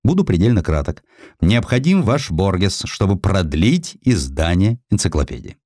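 Male reader as shrewd scrappy editor guy, emphatic, lowish voice, very animated, audiobook. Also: normal speed, no room sound, studio quality. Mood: brisk, firm. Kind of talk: audiobook character acting.

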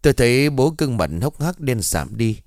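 Male first-person horror narrator, lively intonation, dry close sound. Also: mid-range voice, moderate pace, no room sound. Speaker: storyteller.

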